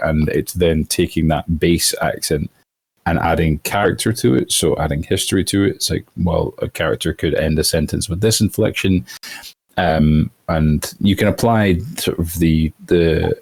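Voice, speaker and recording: A voice actor from Europe in a casual interview, talking thoughtfully with many restarts. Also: male voice, rumbling low, fairly even intonation, normal speed, gravelly, darkish tone, breathy edge, no echo. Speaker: voice actor guest.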